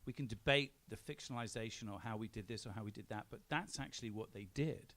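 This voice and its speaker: A film director from Belfast, Northern Ireland, answers as a guest on a live panel on stage at a film premiere event. His lowish, fairly bright voice moves quickly, and he is opinionated and emphatic, repeating phrases to drive his points home.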